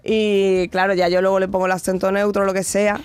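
A woman's voice: mid-range voice, little pitch movement, a little fast, darkish tone, clear, resonant tone, no room sound. A woman from Jerez with a strong Andalusian accent, a stand-up comedian telling chatty stories in a radio interview and laughing along. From Jerez, Spain. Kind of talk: radio interview, anecdotal storytelling. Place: radio studio.

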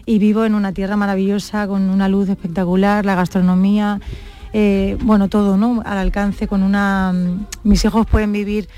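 A singer from Barcelona in her thirties, a woman with a mellow, soft-edged voice. She answers interview questions thoughtfully and keeps tagging her sentences with little questions. Faint music sits under her speech. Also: medium pitch, little pitch movement, moderate pace. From Barcelona, Spain. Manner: thoughtful, warm, frequent "¿no?" tags. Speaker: singer guest.

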